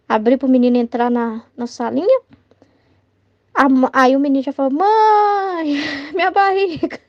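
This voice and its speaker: A woman with a Brazilian accent teaches a faith study in a loose, chatty way, often checking in with her listeners. Her voice sits high but soft and mellow. The recording is dull and lo-fi, with a dry, close sound. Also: no room sound. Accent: Brazilian Portuguese. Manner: chatty, tags sentences with "né?", acts out everyday dialogue. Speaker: religious study teacher and child tutor. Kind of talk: informal devotional study talk.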